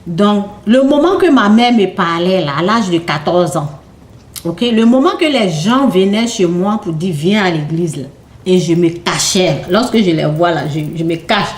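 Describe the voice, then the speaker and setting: A woman's voice: fairly low pitch, lively intonation, normal speed, reverberant. A young adult woman giving an informal Christian testimony to a group, hesitant and repetitive, often checking in with "ok?". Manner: hesitant, repeats words, asks "ok?" often. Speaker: christian speaker.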